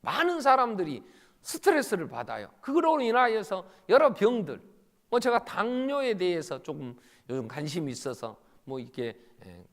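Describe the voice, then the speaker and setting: A middle-aged male pastor delivers a lively sermon, his fairly high voice leaping up and down in pitch. He swings from loud bursts to hushed asides and slips into voices for the people he quotes. The long reverb of a church sanctuary trails every phrase. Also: moderate pace. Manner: acts out quoted dialogue in shifting voices.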